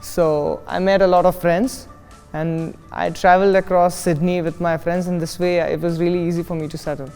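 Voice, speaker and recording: A young man from India talks confidently as an international student. His voice is warm and mellow, and it holds a fairly even tone. Faint music plays behind him. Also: high-pitched, normal speed, smooth. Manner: confident, upbeat. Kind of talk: casual student testimonial.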